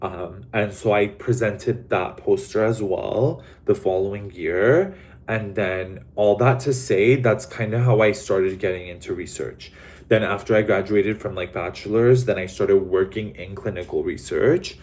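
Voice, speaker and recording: A young man from Los Angeles hosts a casual livestream, his voice sitting a little low. He rambles, leaning on "like" and "um" constantly, and swears bluntly when he gets going. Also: measured pace, a little mellow. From Los Angeles, USA. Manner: rambling, many fillers like "like" and "um". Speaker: livestream host. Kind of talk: casual chat to live viewers.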